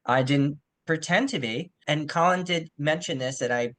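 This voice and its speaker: A man's voice: a little high, normal speed, a bit bright. A man co-hosting a podcast, discussing literature casually and qualifying his points as he goes, on slightly poor audio. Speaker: podcast co-host.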